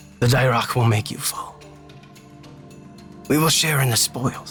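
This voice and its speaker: Over clear background music, a man uses a gruff, put-on character voice at a moderate pace. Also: medium pitch for a man. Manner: gruff, curt.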